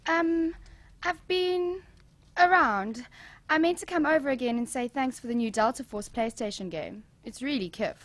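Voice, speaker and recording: A woman's voice: high voice, moderate pace, a bit bright, no echo. A woman playing a reluctant, sulky twelve-year-old boy in an audio drama, hesitant in his talk. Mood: uneasy, hesitant.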